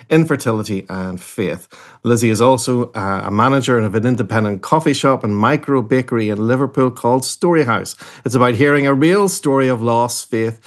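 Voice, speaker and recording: A man hosting a daytime Christian radio show, introducing and interviewing a guest in a gentle, measured way, sometimes repeating words when unsure. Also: medium pitch.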